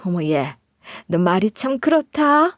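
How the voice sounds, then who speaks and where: A woman's voice: medium pitch, big pitch swings, unhurried, dry recording, clean studio sound. A woman doing a scolding older mother-in-law. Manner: reproachful, condescending.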